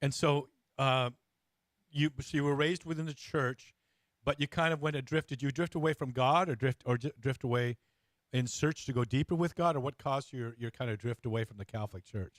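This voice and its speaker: A man's voice: mid-range voice, no echo. Bantering man hosting, close dry sound. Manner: informal, bantering, halting phrasing. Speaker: interview host. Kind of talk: casual, jokey chat.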